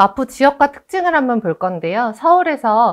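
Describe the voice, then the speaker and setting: In a very clean recording with a silent background, a woman with a high pitch speaks at a moderate pace with very wide pitch swings. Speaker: real estate agent. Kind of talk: presentation.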